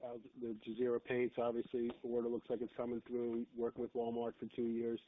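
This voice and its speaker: A man's voice: mid-range voice, monotone, fairly quick. A man speaking as a financial analyst, putting questions to management on an earnings call. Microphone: phone. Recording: tinny phone line.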